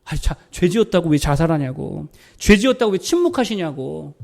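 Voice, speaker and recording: A man's voice: a little high, very animated, brisk, vocal fry, a little mellow. A middle-aged man from South Korea preaching a sermon as a pastor, emphatic, repeating phrases and throwing questions at the congregation. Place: church sanctuary.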